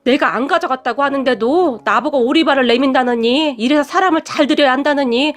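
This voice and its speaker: A woman voicing a weary, proud middle-aged mother who sighs and pleads, speaking fairly high. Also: fairly quick, lightly acted. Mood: hurt. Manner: sighing, pleading, stubborn.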